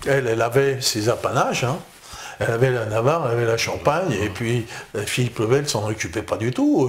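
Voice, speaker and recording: A man's medium-pitched voice with ordinary pitch variation over noticeable background noise. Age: 60s. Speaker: history lecturer. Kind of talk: studio interview explaining history. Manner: halting, many fillers and repetitions.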